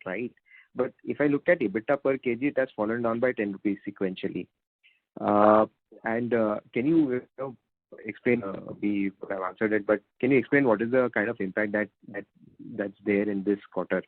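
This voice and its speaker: A man with an Indian accent putting questions as an analyst on an earnings call, halting and repeating himself. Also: on the low side, dry recording. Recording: narrowband phone line.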